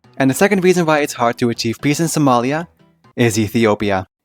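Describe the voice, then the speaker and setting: A man with a non-native accent at a very fast pace, dry, close sound with no echo, music in the background. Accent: noticeable non-native. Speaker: video essayist. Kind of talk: educational history video essay narration.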